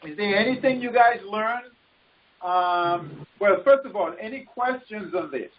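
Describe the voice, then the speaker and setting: High voiced guy coaching on a muffled conference call, bit of noise, keeps restarting and checking in. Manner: halting, repeats words, checks in often with "okay" and "right". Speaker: trading coach leading a group conference call. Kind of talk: informal instruction on a group call. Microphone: conference call line. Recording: muffled, noisy conference call audio with clicks.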